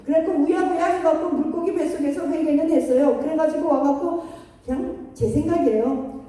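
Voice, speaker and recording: A middle-aged woman preaching a lively sermon, telling stories animatedly, acting out voices and laughing often. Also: high voice, brisk. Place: church sanctuary. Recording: echoey hall from far off.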